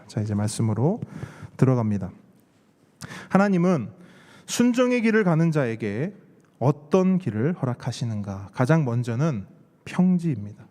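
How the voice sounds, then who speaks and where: A man's voice: mid-range voice, dark tone. A man preaching a sermon as a pastor, putting rhetorical questions to his congregation and repeating key words for emphasis. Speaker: pastor preaching at a church service. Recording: reverberant hall sound.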